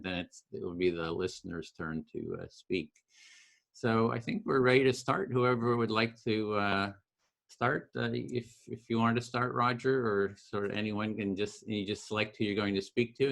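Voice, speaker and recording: A man hosting a video call and explaining how the discussion works, in a gentle, halting way with many fillers. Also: fairly low pitch, fairly even intonation, vocal fry. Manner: halting, lots of uh and restarts, gentle. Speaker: host and facilitator.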